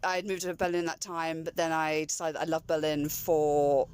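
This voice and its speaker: A woman's voice: low-pitched, little pitch movement, normal speed, darkish tone, clear, resonant tone, no room sound. A young woman, a fashion label founder, talking as a guest in a casual chat with many ums and likes. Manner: chatty, laughs often, many ums and likes. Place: inside a car. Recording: road noise inside a car.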